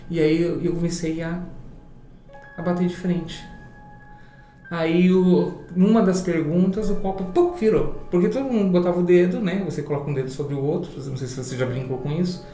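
A Brazilian man tells his story in an interview, animated and salty, his voice sitting a little high. The room around him rings with echo, and faint music plays under it. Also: normal speed. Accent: Brazilian Portuguese.

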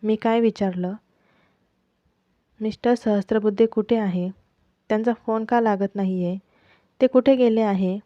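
A woman's voice: mid-range voice, fairly even intonation, a little slow, pauses often, no echo, natural voice. A woman voicing a young pregnant wife who presses everyone with pleading, insistent questions about her missing husband. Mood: suspicious. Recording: dull lo-fi, dry close mic.

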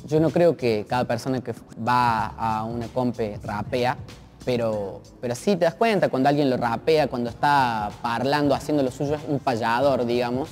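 A man's voice: mid-range voice, a little mellow. Young Cordobese man over faint music. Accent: Cordobese Argentine Spanish. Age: 20s. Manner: slangy, tentative, searching for words. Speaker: interview guest, freestyle rapper. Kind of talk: casual reflective chat. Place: large art gallery, indoors.

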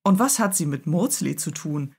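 A woman's voice: low-pitched, expressive, normal speed, creaky, slightly rough, voice pushed down, full character voice. A woman voicing a stern, commanding aristocratic lord of the manor, impatient with his servants. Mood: puzzled.

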